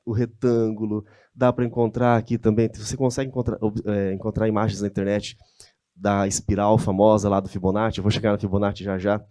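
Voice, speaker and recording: A man's voice: fairly low pitch, little pitch movement, fairly quick, warm tone, dry recording, clean studio sound. A man with a Brazilian Portuguese accent giving a conversational lecture, often asking his audience rhetorical questions. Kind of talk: church-hosted lecture with slides.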